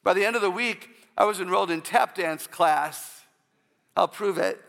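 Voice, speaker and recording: A woman with a low voice, often taken for a man's, giving an inspirational church talk full of humorous personal stories and call-outs to the audience. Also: moderate pace, gravelly, fairly bright tone, big-room sound.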